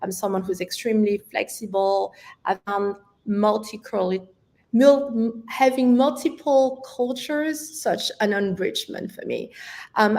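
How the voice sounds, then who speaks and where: Gravelly French-accented woman in her fifties. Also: mid-range voice, a little mellow. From France. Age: 50s. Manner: reflective, with frequent restarts and fillers. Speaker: guest, language educator. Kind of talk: conversational interview.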